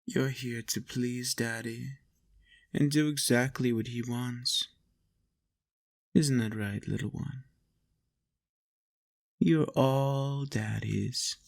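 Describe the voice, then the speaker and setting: A man playing a possessive, doting vampire master in an intimate roleplay monologue, coaxing and teasing with soft menace. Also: mid-range voice, fairly even intonation, takes it slowly, gravelly, long pauses.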